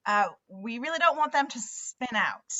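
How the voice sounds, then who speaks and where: A woman acts out an earnest, shaken teenage girl from a horror comedy. Her voice is high and bright, swinging about as she stammers. The audio is slightly lo-fi, like a video call. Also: expressive. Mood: earnest, hesitant. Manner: halting, stammering. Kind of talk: table read of a horror comedy film script.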